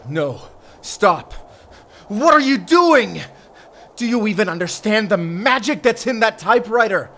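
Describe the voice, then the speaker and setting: A man's voice: sits high, animated, unhurried, bright, forceful tone, heavily acted. A man playing a gloating, menacing fantasy villain in an audio drama, with a mocking, theatrical delivery. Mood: outraged, desperate.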